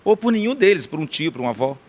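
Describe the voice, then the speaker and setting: A man's voice: a little high, sing-song, fast talker. Chatty Brazilian man hosting a TV show. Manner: casual, chatty, addresses viewers. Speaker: TV show host. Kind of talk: studio interview talk. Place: TV studio.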